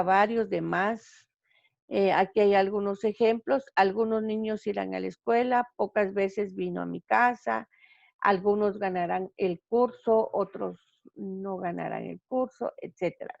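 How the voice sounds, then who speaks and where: A woman teacher giving a recorded grammar lesson over slides, speaking haltingly with many fillers and self-corrections. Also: mid-range voice, creaky, darkish tone, dry recording. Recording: dull, lo-fi sound.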